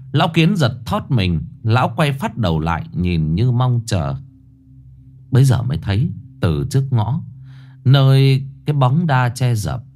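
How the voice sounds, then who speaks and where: A man narrating a horror story in an expressive, suspenseful way. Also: fairly low pitch.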